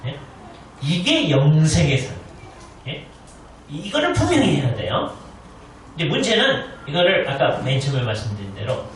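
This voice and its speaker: A man preaches a sermon to a church congregation, talking to them like a teacher and often asking whether they follow. His voice rings through a very reverberant hall and is picked up from some distance. Faint noise sits under the sound. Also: a little high. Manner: conversational, often asks the congregation "right?". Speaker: guest preacher, professor. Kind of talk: sermon at a Bible conference. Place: church sanctuary.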